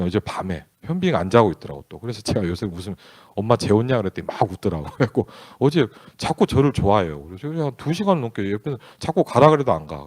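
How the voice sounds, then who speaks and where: Lively, animated male pastor. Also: fairly low pitch, no room sound. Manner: candid, conversational, acts out dialogue in quotes. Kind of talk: storytelling sermon.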